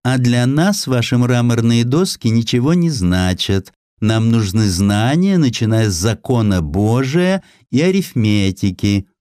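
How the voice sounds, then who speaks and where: A haughty male official in an audio drama, acted out by a male narrator. He is officious and dismissive, with a very lively, swooping delivery. The sound is close and dry. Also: medium pitch, a little slow, no echo, voice pushed up, natural voice. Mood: scornful. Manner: condescending, officious. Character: haughty, dismissive official turning an applicant away.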